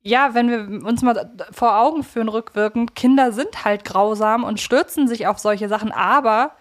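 A woman's voice: on the high side, moderate pace. A woman co-hosting a podcast, analysing a story conversationally in a frank and opinionated way. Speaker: podcast co-host. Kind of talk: conversational analysis of an audio drama.

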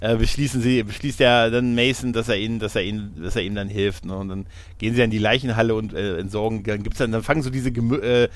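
A man's voice: fairly low pitch, dry recording. A man hosting a casual film discussion, retelling scenes in a rambling way with frequent tag questions and laughs. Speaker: podcast host reviewing a film.

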